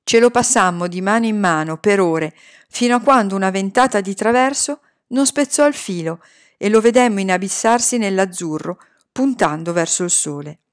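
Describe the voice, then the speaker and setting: A woman reading a novel aloud in a calm, measured storytelling voice. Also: mid-range voice. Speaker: audiobook reader.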